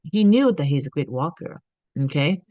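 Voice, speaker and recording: A woman's voice: deep voice, animated, normal speed, warm tone, no room sound, dull audio. A woman from Thailand giving an earnest spiritual teaching talk, often checking in with "okay?".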